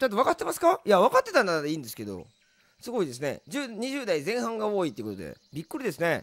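A man with a Kansai accent talks fairly quickly in a bright, sharp tone. His pitch swings very widely on a very clean recording with a silent background. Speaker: game streamer. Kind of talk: live gameplay stream. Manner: casual, fast.

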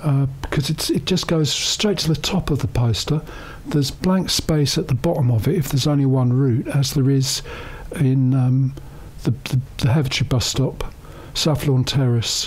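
Speaking at a fairly slow pace, the woman has a very deep, low pitch, ordinary pitch variation and very even loudness. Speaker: local resident on radio show. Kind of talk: radio talk show commentary. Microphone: studio mic.

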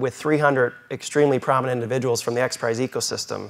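Against a quiet background, the voice is heard. Its intonation is fairly even. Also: man. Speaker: keynote speaker. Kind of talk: conference keynote talk. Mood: friendly, slightly apologetic. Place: hall. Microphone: podium.

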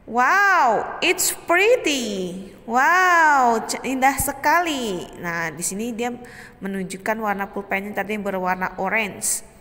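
A woman's fairly high pitch with very wide pitch swings at a very slow pace, amid noticeable background noise. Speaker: primary school English teacher. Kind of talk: tutorial.

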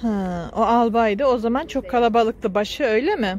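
A woman speaks at a moderate pace in a dry sound with no echo, over light background noise. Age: 40s. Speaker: vlogger. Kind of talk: vlog narration. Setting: outdoors. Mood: calm, reflective, religious. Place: open country. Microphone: phone near.

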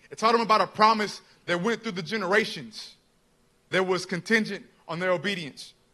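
A man speaks in a raised, projected voice at a fairly quick pace, pitched high for a man, with a bright, sharp tone, ordinary pitch variation, big swings in loudness, and long, frequent pauses. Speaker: preacher. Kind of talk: sermon. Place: church. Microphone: handheld.

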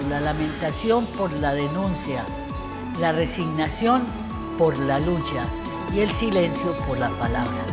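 Against loud music in the background, a woman speaks at a very slow pace with long, frequent pauses. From Antioquia, Colombia. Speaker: politician. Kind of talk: interview answer. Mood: firm, declarative. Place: studio.

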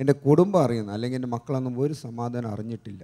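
A man's fairly even intonation against a quiet background. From Thiruvananthapuram, Kerala; Kerala. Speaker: former criminal giving testimony. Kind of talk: testimony. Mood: earnest, emotional. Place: stage. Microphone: handheld.

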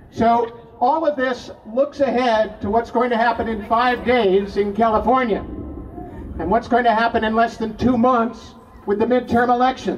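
Over light background noise, a man speaks at a moderate pace in an extremely high voice with monotone, flat intonation. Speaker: climate march organizer. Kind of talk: rally speech and mock eulogy. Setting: outdoors, on City Hall steps. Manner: formal, oratorical. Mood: playful mock eulogy. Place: street.

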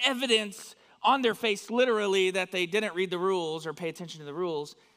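Over a quiet background, a man with a bright, sharp tone uses a raised, projected voice at a very fast pace. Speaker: preacher. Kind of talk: sermon. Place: church.

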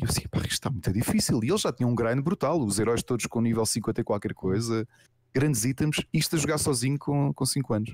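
A man's very fast speech at a medium pitch, with ordinary pitch variation, very even loudness and a dry, close sound with no echo. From Portugal, Lisbon (Olivais). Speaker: games journalist and editor. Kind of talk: casual chat. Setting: live stream talk show.

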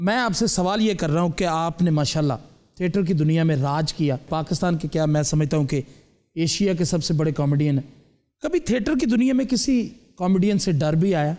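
Against a quiet background, a man with a dark, mellow tone speaks at a moderate pace and high pitch, his intonation lively and his loudness very even. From Pakistan. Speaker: comedian playing interviewer; TV show host. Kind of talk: comedy sketch. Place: studio. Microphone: lapel.

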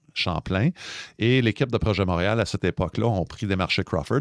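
Ordinary pitch variation marks this man's speech. The very clean recording is dry and close, with no echo and a silent background. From Montreal, Quebec (Verdun). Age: 40s. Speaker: city councillor. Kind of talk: casual interview chat.

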